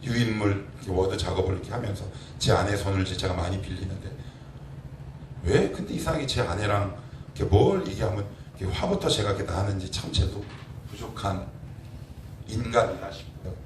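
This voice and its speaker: A man's voice: on the low side, brisk, background noise. A man in his forties, a pastor preaching a conversational sermon full of rhetorical questions to his congregation. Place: church sanctuary. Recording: echoey church from a distant mic.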